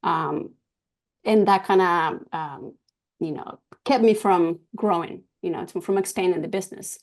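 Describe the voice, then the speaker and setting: A woman from Argentina whose first language is Spanish, a guest talking about her business in an interview, pausing often with ums and restarts. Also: lowish voice. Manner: hesitant, many ums and restarts. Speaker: guest, cybersecurity business owner. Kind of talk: casual interview talk.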